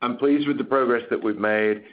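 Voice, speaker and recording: A man speaking as a chief executive on an earnings call, giving candid, measured, unscripted business commentary. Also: medium pitch, steady tone. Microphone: conference call line. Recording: dull, lo-fi conference call audio.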